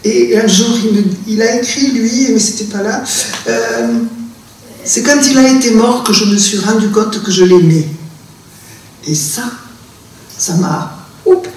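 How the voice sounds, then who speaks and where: A woman's voice: on the high side, a little slow, pauses often, darkish tone. An older woman with a southern French accent talks earnestly as a guest storyteller, circling back and restarting her thoughts. She is picked up by a distant mic in a very echoey room. A faint hum of room noise sits underneath. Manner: earnest and reflective, with frequent restarts. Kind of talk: conversational talk at a live event. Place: festival conversation venue indoors.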